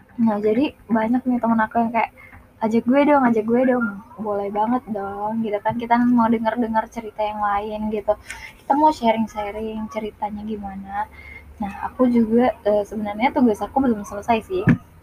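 The woman's fairly high voice comes with noticeable background noise. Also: moderate pace. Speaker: podcast host, university student. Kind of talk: casual chat. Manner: animated.

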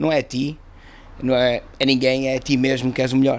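This is a man's voice. It sits at a fairly high pitch. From Portugal, Porto. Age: young. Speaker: entrepreneur. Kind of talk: casual chat.

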